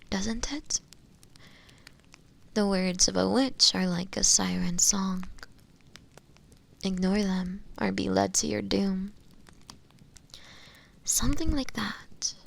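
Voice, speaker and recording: Woman acting a slow, whispery imprisoned witch. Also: mid-range voice. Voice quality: breathy, whispery. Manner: slow, deliberate, pleading. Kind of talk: dramatic roleplay audio acting.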